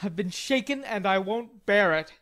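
Woman doing a huffy teenage boy from a storybook, stubborn n blustery, voice pushed higher. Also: lively intonation, normal speed, close to an everyday voice. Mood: indignant. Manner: petulant, blustering. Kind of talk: storybook character dialogue.

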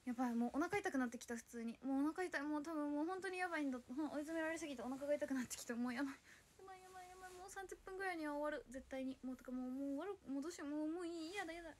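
High-voiced, flustered young woman livestreaming. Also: very fast. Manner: chatty, flustered, reads and answers viewer comments. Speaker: idol livestreamer. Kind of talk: casual solo livestream chat.

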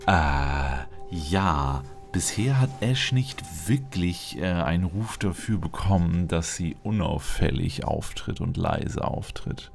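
A man doing casual, musing Let's Play commentary and roleplay in a deadpan way. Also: low-pitched, slow pace, creaky, hardly any pauses.

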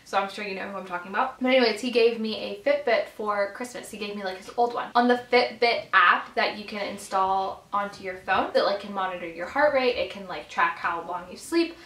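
A woman in her twenties chatting casually to camera over a meal, informal and animated, chewing as she talks. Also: mid-range voice, brisk, hardly any pauses. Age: 20s. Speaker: vlogger. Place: small bedroom, indoors. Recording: echoey room sound.

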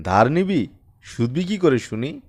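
A man voicing a haughty, callous Brahmin priest in an audiobook story, with sharp taunts and contemptuous commands. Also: medium pitch, big pitch swings, a little slow, breathy edge, no echo, studio quality. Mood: mocking.

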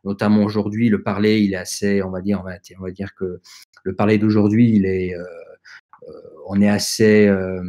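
A man's voice: fairly low pitch, level tone, normal speed, dark tone. Hesitant man giving earnest advice. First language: not French. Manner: hesitant, with frequent fillers and restarts; earnest, direct advice to young listeners. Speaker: podcast guest. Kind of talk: conversational advice in an interview.

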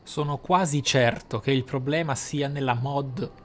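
A man giving casual, excitable playthrough commentary, often thinking aloud. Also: mid-range voice, unhurried. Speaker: gaming channel host. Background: game music.

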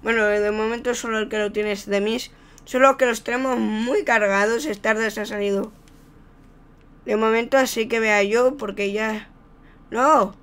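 Clear-voiced Spaniard doing wrestling commentary. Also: mid-range voice, moderate pace. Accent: Spain. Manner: excitable wrestling-commentator style play-by-play. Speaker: video game commentator, player. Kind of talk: improvised gameplay commentary.

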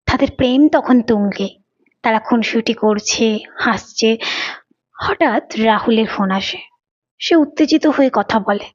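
A woman narrates a dramatic audio story from a script. Her voice sits on the high side, and the recording sounds a little muffled and lo-fi. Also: measured pace, pauses often. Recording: dull lo-fi recording.

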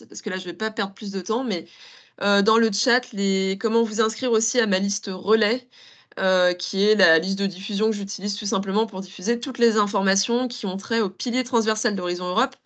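A woman's voice: medium pitch, fairly bright tone. A woman runs an online information day over a video call. She keeps the session moving and apologizes for the pace. She hesitates often between phrases. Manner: brisk, apologetic, many hesitations. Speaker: national contact point moderating a webinar. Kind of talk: online event moderation.

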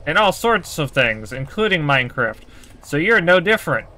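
A man with a fairly high, very bright and forceful voice streams a horror game. He chats casually but uneasily, swearing and muttering taunts at whatever creature is stalking him. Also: sing-song, moderate pace.

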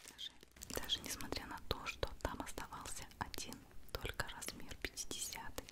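A woman in her thirties whispers softly right into the listener's ear in a close-miked, gushing, affectionate ASMR chat. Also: normal speed. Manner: gushing, affectionate, fond of diminutives. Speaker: ASMR video host. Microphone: large studio microphone right at the mouth.

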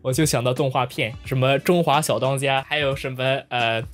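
A man's voice: mid-range voice, fairly even intonation, normal speed, soft background music. A man from mainland China hosting a casual video, talking playfully with exaggerated shocked reactions. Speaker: video host. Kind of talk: casual talking-head commentary.

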